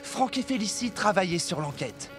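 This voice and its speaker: A dramatic cartoon youngster spinning a spooky tale. The voice is high and theatrical, full of suspense, with clear music behind it. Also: male voice, very animated, moderate pace. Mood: suspenseful. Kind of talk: animated children's cartoon dub. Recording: background music under the dialogue.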